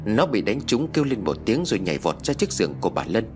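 A male storyteller who narrates a ghost tale with dramatic flair. His pitch swings in lively arcs, and soft music plays quietly beneath him. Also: quick pace.

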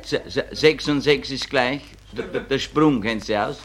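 A man's voice: mid-range voice, a little slow, fairly bright tone. A male comedian telling jokes in a heavy comic stutter. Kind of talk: stand-up joke telling.

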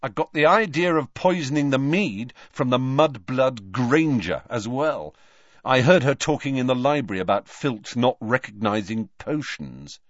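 Man doing a scared sneering young wizard, loud and strained, pitched up, dry sound. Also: expressive, measured pace, no room sound, dull audio, natural voice. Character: cornered teenage boy wizard, sneering yet scared.

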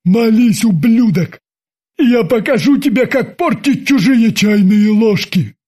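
A man voicing a hot-headed sailor who yells slow, drawn-out threats. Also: very high-pitched, lively intonation, pitched above the performer's own voice, exaggerated voice. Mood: furious. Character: hot-headed male sailor, shouting and armed.

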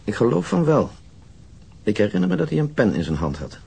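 An actor playing an unflappable, methodical police detective in a radio drama, measured and precise. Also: male voice, mid-range voice, wildly swooping pitch, gravelly, warm tone, slightly rough, exaggerated voice. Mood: recollecting, precise. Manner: measured, precise, matter-of-fact. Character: methodical, unflappable pipe-smoking male detective with exact memory. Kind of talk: naturalistic Dutch radio drama acting.

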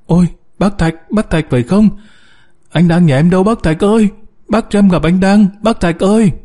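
Guy doing a worried pregnant wife in a story, high voice, panicky and begging. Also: moderate pace, dark tone. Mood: panicked. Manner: panicked, insistent, pleading. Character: anxious heavily pregnant young wife, desperate for her husband.

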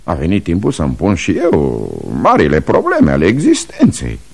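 A gravelly, self-pitying functionary. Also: male voice, deep voice, huge pitch swings, full character voice. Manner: plaintive and hesitant, pleading, veering between mumble and whine. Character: self-pitying middle-aged male functionary, timid and pompous. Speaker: radio play actor. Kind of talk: 1970s radio drama acting.

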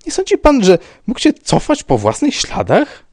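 A man's voice: high-pitched, wildly swooping pitch, a little slow, a little mellow, no echo, clean studio sound, pitched above the performer's own voice, full character voice. Man doing a shaky, anxious Rybka. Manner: agitated, pleading, shaky. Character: nervous trembling middle-aged man, anxious and insistent.

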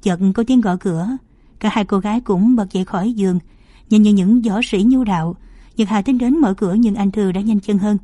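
A woman narrating a story in a calm, even storytelling manner. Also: medium pitch, fairly quick, no echo. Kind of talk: audiobook narration.

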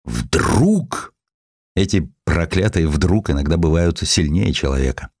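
A man's voice: sits low, expressive, a little slow, darkish tone, husky, no echo, studio quality. A man reading a literary story as an audiobook narrator, in a theatrical, dramatic storytelling style.

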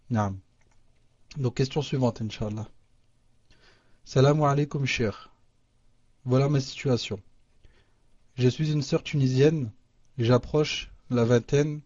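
Man, moderator, reads questions haltingly, dark mellow voice, dry muffled lo-fi sound. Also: mid-range voice, no room sound. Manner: halting reading with restarts, Arabic religious phrases. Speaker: moderator reading listener questions. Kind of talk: reading questions aloud, hesitant. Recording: muffled lo-fi audio.

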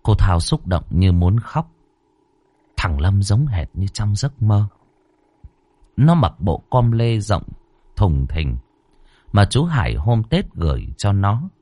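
A man reading a ghost story aloud as a storyteller, with a dramatic, expressive delivery. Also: lowish voice, slow, pauses often, no echo. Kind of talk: scripted horror narration. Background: faint music.

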